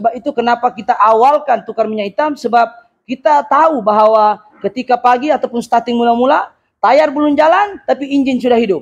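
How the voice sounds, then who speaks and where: A man talks loudly at a very fast pace. His pitch is extremely high, with lively intonation. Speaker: car mechanic. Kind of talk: workshop tutorial. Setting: car workshop.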